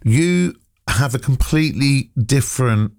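Radio host, man, 50s, lively and chatty. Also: medium pitch, unhurried, no room sound, studio quality. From England. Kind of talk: radio interview.

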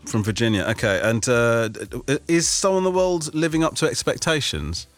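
A man's voice: mid-range voice, expressive, normal speed, no room sound, soft background music. Chatty self-deprecating male radio host. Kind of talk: lively radio chat.

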